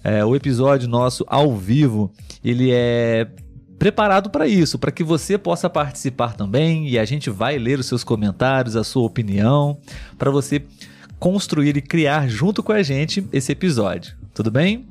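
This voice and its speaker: Slow, teacherly Brazilian man. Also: medium pitch, expressive, a little mellow, faint music behind. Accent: Brazilian Portuguese. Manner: slow, clear, teacherly delivery with frequent "né?" checks. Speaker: podcast co-host. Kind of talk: live podcast chat for language learners.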